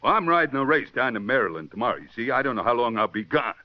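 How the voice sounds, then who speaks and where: An actor playing a tiny streetwise jockey man with laryngitis, speaking in a hoarse near-whisper in a 1940s radio drama. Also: mid-range voice, expressive, fast, close to an everyday voice. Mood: hoarse, pleading. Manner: streetwise New York slang, hesitant. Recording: dull lo-fi 1940s radio recording.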